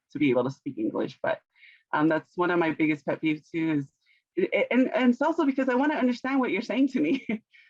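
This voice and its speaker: Using vocal fry and very wide pitch swings, a woman talks at a very fast pace in a dry, close sound with no echo. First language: not English. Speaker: business founder and CEO. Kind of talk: podcast interview. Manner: halting, frequent fillers.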